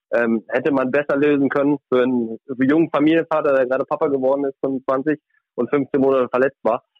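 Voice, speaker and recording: A man with a medium-pitched voice goes along fairly quickly in a flat, monotone delivery. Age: 30s. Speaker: former professional footballer. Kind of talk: casual interview. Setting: phone call. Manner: halting.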